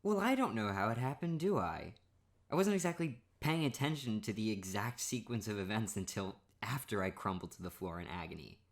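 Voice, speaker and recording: A man doing a soft, playful boyfriend ASMR monologue, self-mocking and laughing often. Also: on the low side, animated, fairly quick.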